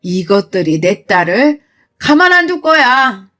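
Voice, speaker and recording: A woman voicing a protective middle-aged mother who scolds her daughter loudly. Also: fairly high pitch, steady tone, slow. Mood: indignant. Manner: scolding, loud.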